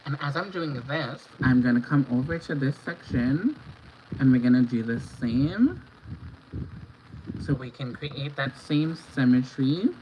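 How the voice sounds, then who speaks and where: A woman with a cold-roughened, hoarse voice talks viewers step by step through applying eye makeup. She chats casually as she works, drifting nearer and farther from the device mic. The stream audio sounds dull and lo-fi, with clear noise underneath. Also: extremely low pitch, animated, measured pace. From Antigua and Barbuda. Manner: chatty, instructional, greets viewers by name. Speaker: makeup artist livestreamer. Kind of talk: livestream makeup tutorial.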